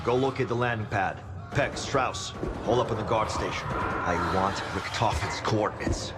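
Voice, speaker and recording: A man's voice: fairly low pitch, normal speed, lightly acted. An actor playing a male military squad leader giving clipped orders in a game trailer. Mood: commanding. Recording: game trailer audio with loud music.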